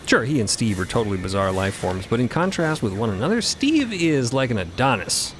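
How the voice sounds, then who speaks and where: A man's voice: medium pitch, big pitch swings, brisk, slight background noise. A man narrating a fiction podcast in a wry, conversational storytelling style.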